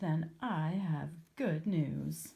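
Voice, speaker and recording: A put-on character voice at a middle pitch. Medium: read story.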